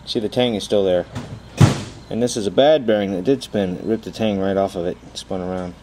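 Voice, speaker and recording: A man with a low-sitting voice talks briskly through an engine teardown, offering plain, informal how-to instructions as a mechanic in a garage workshop. The garage recording is clearly noisy and full of clicking.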